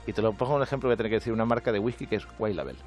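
A man from Spain with a Spanish accent, delivering an animated, jokey comic monologue on a radio show. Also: on the low side, racing, soft background music. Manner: animated, jokey, acts out quoted voices. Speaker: comedian with a radio segment. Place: radio studio.

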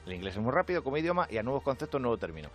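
A man's voice: mid-range voice, very animated, rapid-fire, faint music behind. A man from Spain doing a sarcastic comic monologue on radio with a Spanish accent. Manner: sarcastic, jokey, mimics other voices. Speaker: comedian.

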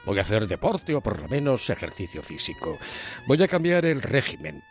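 A man's voice: mid-range voice, huge pitch swings, normal speed, faint music behind. A man reading a scripted radio column in an ironic, dryly humorous manner. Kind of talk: scripted opinion column read on air.

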